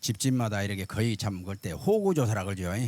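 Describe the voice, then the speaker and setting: A man with a plain, everyday voice speaks at a moderate pace with lively intonation on a very clean recording with a silent background. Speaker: local resident. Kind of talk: talk show interview.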